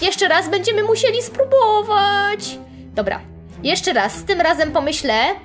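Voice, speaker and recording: A young woman commentating her own online game playthrough, chatty and excitable, talking straight to her viewers and making playful sound effects. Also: very high-pitched. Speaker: gaming channel host. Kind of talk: playful let's-play commentary.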